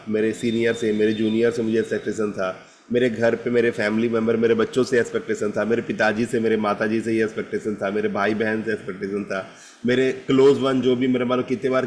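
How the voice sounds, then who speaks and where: A man's voice: on the low side, slight background noise. A middle-aged man teaching a live group self-help session, talking directly to participants by name and often checking they follow along. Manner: direct, addresses participants by name, repeats "ठीक है ना?".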